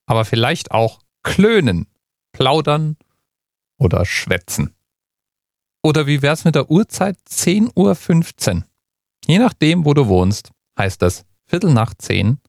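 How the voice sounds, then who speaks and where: A man's voice: medium pitch, no room sound, clean studio sound. A man from Bavaria, host, talking through a topic in a conversational, explanatory way. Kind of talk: scripted explainer narration.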